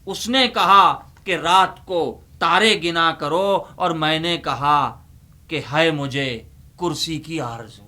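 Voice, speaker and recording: A man's voice: a little high, sharp tone. A man reciting humorous poetry as a host, in a theatrical, emphatic manner, repeating lines for effect.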